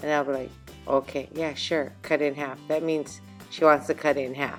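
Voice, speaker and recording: A woman's very deep, low voice at a moderate pace, monotone and flat, with music in the background. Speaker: cooking vlogger. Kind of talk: casual talk to camera.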